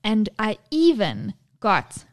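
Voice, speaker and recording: A woman's voice: mid-range voice, wildly swooping pitch, slow pace. A woman in her thirties co-hosting a podcast, chatting candidly about parenting, swearing freely and acting out the people in her stories. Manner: candid, swearing, acts out quotes. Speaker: podcast co-host. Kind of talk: casual chat.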